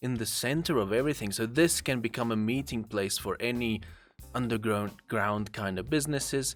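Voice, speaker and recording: Speaking at a moderate pace and medium pitch with a non-native accent and ordinary pitch variation, a man is heard on a very clean recording with a silent background. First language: not English. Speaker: Minecraft content creator. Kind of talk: casual gameplay chat. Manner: halting.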